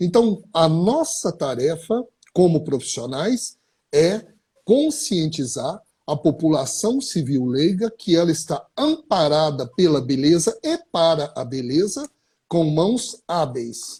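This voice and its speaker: A man's high-pitched voice, dark and mellow in tone, at a very slow pace. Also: lively intonation. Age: 60s. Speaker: plastic surgeon. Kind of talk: live stream interview. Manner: emphatic.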